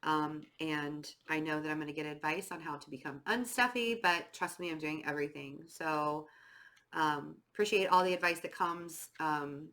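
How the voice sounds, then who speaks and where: A woman's voice: sits low, steady tone, moderate pace, a bit bright. A woman with a stuffy, slightly nasal voice giving a casual tarot reading to camera, chatty and full of fillers, nervous and fidgety. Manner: chatty, filler-heavy, with many "um" and "like"; self-described nervous and fidgety. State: stuffy nose from a cold. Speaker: tarot reader.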